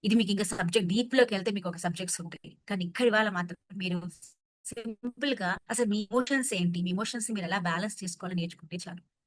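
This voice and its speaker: Woman trainer, lecturing, mixes in English, quizzes the room; mid pitch, dry close sound. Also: fast talker, no room sound, poor audio. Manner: mixes English phrases into Telugu talk, asks the audience questions. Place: hall with a live audience.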